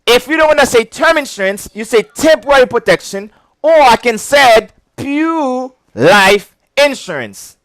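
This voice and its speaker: High-voiced man with a heavy accent. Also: unhurried, dry recording, rough recording. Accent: non-native English. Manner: repetitive, chuckling, animated teaching. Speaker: insurance licensing instructor. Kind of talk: casual video lesson.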